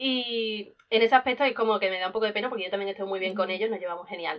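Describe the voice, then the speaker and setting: Speaking at a very fast pace, a woman with a Sevillian accent uses a fairly high pitch. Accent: Sevillian (moderate). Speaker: youtuber. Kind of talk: interview. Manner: soothing, relaxed.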